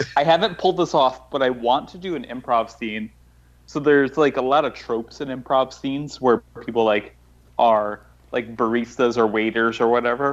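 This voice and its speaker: With an American accent, a man in a plain, everyday voice speaks at a moderate pace and medium pitch with ordinary pitch variation. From New York. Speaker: comedian. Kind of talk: casual chat. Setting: call from home. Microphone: clear call connection.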